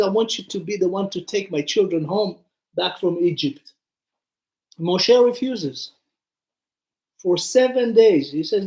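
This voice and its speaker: A man's voice: high voice, a little mellow. Guy rabbi teaching torah casually, acts out the dialogue, asks listeners stuff, echoey room. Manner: conversational, acts out dialogue, puts questions to listeners. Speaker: rabbi giving a Torah class. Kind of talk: informal Torah lesson with storytelling.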